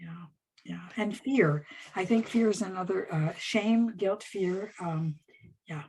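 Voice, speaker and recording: At a very slow pace, a woman speaks in a somewhat breathy voice at a medium pitch. Her pitch varies in an ordinary way while her loudness swings a lot. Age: 70s. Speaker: author and retired pastor. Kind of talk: interview. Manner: halting.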